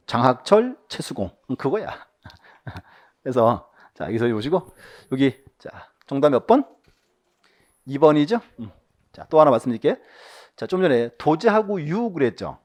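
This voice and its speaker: Lively male lecturer quizzing his class. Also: medium pitch. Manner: reads questions aloud then quizzes listeners with quick rhetorical questions. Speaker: exam prep instructor. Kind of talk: lecture working through exam questions.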